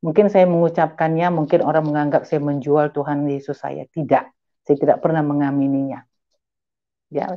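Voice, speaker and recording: A woman's voice: low voice, dark tone, lo-fi sound. A middle-aged woman giving an earnest, emphatic personal religious testimony, slipping in English phrases. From Malaysia. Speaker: testimony giver.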